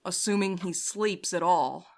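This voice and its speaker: A woman voicing a composed, wry courier in an audio drama, calmly taking charge and teasing the others. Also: fairly low pitch, measured pace. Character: dry, scheming woman courier, coolly in charge. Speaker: night courier Val.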